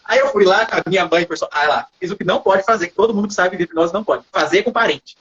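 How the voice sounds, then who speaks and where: A man with a Brazilian Portuguese accent tells a story as an interview guest, animated, acting out quoted dialogue and often adding tag questions. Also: sits high, fast, breathy edge, lo-fi sound. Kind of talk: casual storytelling in a livestream interview.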